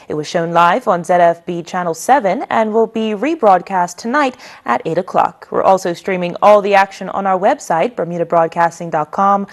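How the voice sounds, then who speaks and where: A woman presenting the evening news with a brisk, promotional read. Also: medium pitch. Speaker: news anchor.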